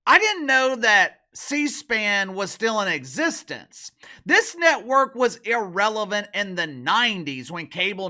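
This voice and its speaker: A man's voice: high-pitched, sharp tone. A man, middle-aged, hosting online commentary in a sarcastic, mocking, emphatic manner. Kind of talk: opinionated commentary to camera.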